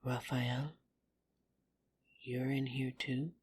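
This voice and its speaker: A woman's voice: very deep voice, little pitch movement, extremely slow, darkish tone, slightly rough, heavily acted. A woman playing a defiant, caring vampire in an audio drama, protective and bluntly sarcastic. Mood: wry. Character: defiant, caring female vampire in love with an angel.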